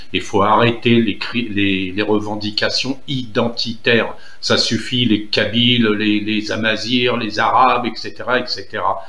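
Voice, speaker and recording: A man from Algeria talks earnestly in a loose monologue, often pausing on fillers and restarting his sentences. His voice sits low, and the room around him is echoey. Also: sharp tone. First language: Algerian Arabic (Derja). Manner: hesitant, many ums and restarts, earnest. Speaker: political commentator. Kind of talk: casual monologue video.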